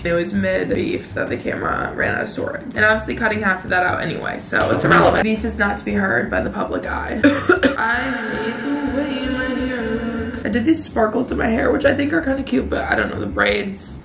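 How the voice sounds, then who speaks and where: A woman's voice: on the high side, big pitch swings, fairly quick, creaky, music in the background. A young woman with a cold, sounding congested, rambling casually to a camera on her desk in a small bedroom. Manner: chatty, rambling, self-mocking. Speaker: vlogger. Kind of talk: casual vlog chat to camera. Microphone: camera on a desk in front of her. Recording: echoey room with background noise.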